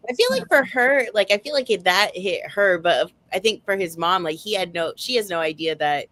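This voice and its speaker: A woman's voice: medium pitch, normal speed, fairly bright tone. A woman in a casual book club chat, talking in a rambling way with lots of filler phrases. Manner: rambling, heavy use of like and you know.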